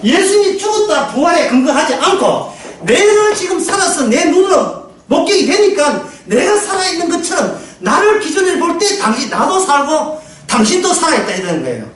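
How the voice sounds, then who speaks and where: A man preaching a sermon as pastor, lively, often laughing and asking his listeners questions. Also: very high-pitched, normal speed, distant mic. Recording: very echoey hall, mic from afar, faint noise.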